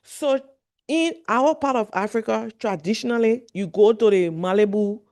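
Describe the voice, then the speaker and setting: A woman's voice: on the high side, normal speed, a little mellow. A woman from Liberia giving a health presentation to journalists, earnest and repeating her key points. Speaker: medical speaker at a journalist training.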